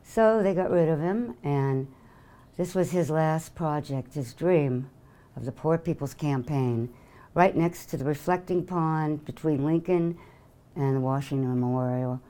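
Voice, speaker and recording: A woman's voice: sits low, measured pace, mellow. An older woman from New York with a New York accent, giving a casual, joking talk as a guest speaker, with many fillers.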